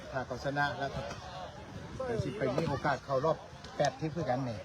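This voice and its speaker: A man's voice: medium pitch, lively intonation, brisk. A man with a Lao accent, a club president chatting loosely on a livestream and urging fans to cheer on the kids. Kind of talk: casual livestream chat. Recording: loud crowd noise behind.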